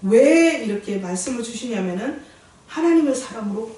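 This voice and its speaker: A woman's voice: on the high side, normal speed. Woman preaching in an echoey church. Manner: lively storytelling, mixes personal anecdotes and jokes with the congregation. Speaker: missionary preacher. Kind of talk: sermon. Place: church sanctuary. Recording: very echoey church hall, distant mic.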